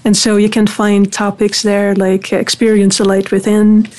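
A Dutch-native woman, director of a spiritual university, explaining her programs in a conversational interview at a measured pace with many fillers. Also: medium pitch, monotone, a little mellow.

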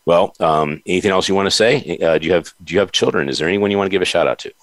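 A man's voice: sits low, racing, no room sound. A man hosting an interview show, speaking in an effusive, motivational way. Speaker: podcast host. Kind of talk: casual interview chat.

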